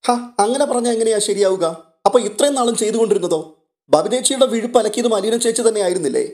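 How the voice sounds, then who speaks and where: A man's voice: sits high, quick pace, darkish tone, voice pushed up. A man reading out a cheeky young woman who gossips, voicing her as teasing and indignant.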